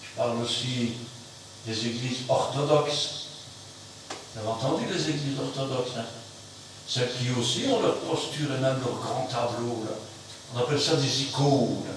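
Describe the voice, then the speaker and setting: A man's voice: mid-range voice, moderate pace. Fiery man preaching in an echoey hall. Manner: emphatic, swings between loud outbursts and quiet asides. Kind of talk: fiery sermon. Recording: very echoey room, mic far off, faint noise.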